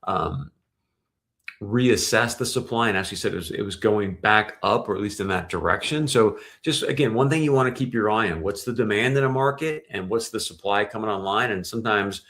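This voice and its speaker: A man's voice: lowish voice, a little fast, fairly bright tone. A man hosting a show, giving conversational, explanatory industry commentary with emphasis. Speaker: show host.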